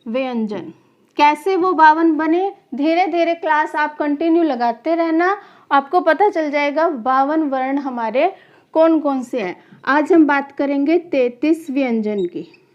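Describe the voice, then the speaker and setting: A woman's voice: high-pitched, unhurried, dull audio. A woman teaching a grammar class to exam students, who keeps asking questions and answering them herself, repeats key terms, and calls her students children.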